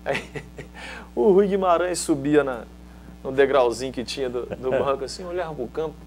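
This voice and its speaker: A man's voice: medium pitch, normal speed, over music. A middle-aged man from Minas Gerais with a Mineiro accent, a former footballer telling anecdotes in a casual interview and acting out other people's lines. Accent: Mineiro Brazilian Portuguese. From Minas Gerais, Brazil. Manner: lively storyteller who acts out other people's lines.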